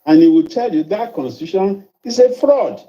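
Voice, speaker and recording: A man from Nigeria speaking in an interview clip, arguing deliberately with some hesitations. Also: sits high, expressive. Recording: dull lo-fi archive clip.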